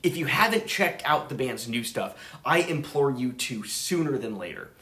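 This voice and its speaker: A man's voice: mid-range voice, expressive, moderate pace, reverberant, over loud music. A man in his thirties hosting a vinyl channel, narrating his trip in an enthusiastic, chatty way. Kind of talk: casual travel vlog narration. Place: room with record shelves.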